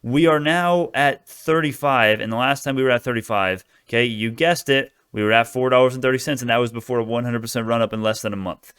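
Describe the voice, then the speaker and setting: Male retail-trader host, crypto-bro swagger, quick and informal, clean smooth voice for off-the-cuff market commentary. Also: medium pitch, fairly bright tone, no room sound, studio quality. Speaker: stock video host. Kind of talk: casual stock market commentary.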